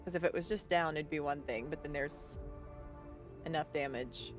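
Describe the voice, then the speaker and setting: A woman playing a tabletop game, making quick, chatty remarks. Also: sits low, over music. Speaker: player.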